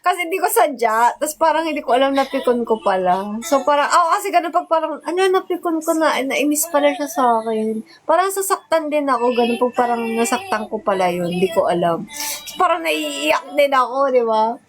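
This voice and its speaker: A woman's voice: sits high, lively intonation, brisk, rough recording. A young woman hosting a casual livestream, telling stories in a rambling, giggly way full of fillers, into a phone mic. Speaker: livestream host.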